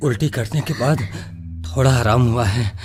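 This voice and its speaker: A man playing a sick, exhausted labourer father, speaking haltingly in a radio play, with a reverberant echo. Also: medium pitch, darkish tone, soft background music, lightly acted. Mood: weak, dejected. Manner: halting, weary. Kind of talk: Hindi radio play acting.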